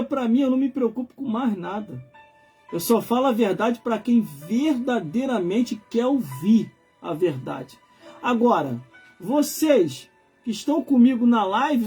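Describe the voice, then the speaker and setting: Brazilian male livestream preacher, 40s, high-pitched, colloquial and insistent delivery over music. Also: darkish tone, breathy edge. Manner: emphatic, colloquial, repeats phrases for effect. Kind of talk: informal live sermon.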